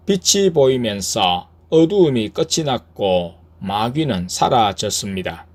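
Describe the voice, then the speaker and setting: A man reads a church testimony aloud in a calm, earnest way. He takes his time, and his pitch moves lively up and down as he tells it. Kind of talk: scripted testimony narration.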